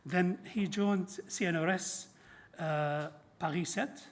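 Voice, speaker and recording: A man's voice: high-pitched, slow. A man acting as event host, reading out a guest speaker's biography with small hesitations before welcoming him. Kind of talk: formal speaker introduction.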